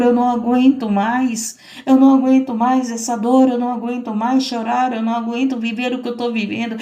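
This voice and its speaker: A woman's voice: mid-range voice, mellow. A woman missionary preaching a fervent sermon, repeating phrases and building emphasis. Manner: fervent, repetitive exhortation with rising emphasis.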